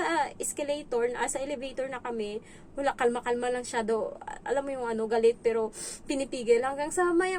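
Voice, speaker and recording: A woman's voice: darkish tone, slight background noise. A woman from the Philippines, a domestic helper telling stories in a casual vlog and acting out the voices she quotes. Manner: chatty, acts out quoted voices in a high pitch. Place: indoors in her employer's home.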